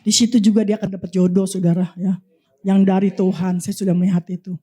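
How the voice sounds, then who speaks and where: A woman with an Indonesian accent preaching an animated sermon, telling testimonies and prophesying over the congregation. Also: mid-range voice, quick pace, husky. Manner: animated, repeatedly addressing the congregation.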